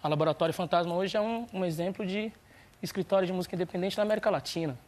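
A man's voice: high voice, rapid-fire, darkish tone. A man speaking as a guest in a casual chat, earnest and reflective. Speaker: guest rapper.

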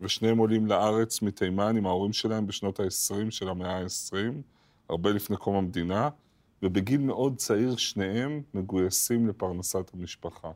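A man hosting a podcast, asking interview questions in a calm, measured way. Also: on the low side. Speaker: podcast host.

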